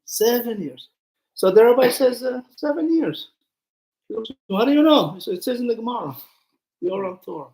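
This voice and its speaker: A man's voice: extremely high pitch, lively intonation, normal speed, darkish tone. Guy rabbi teaching torah casually, acts out the dialogue, asks listeners stuff, echoey room. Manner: conversational, acts out dialogue, puts questions to listeners. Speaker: rabbi giving a Torah class. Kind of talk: informal Torah lesson with storytelling.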